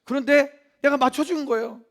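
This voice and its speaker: A male pastor preaching a lively sermon in a church, often questioning the congregation. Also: very high-pitched, brisk. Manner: lively, asks the congregation questions and acts out quotes.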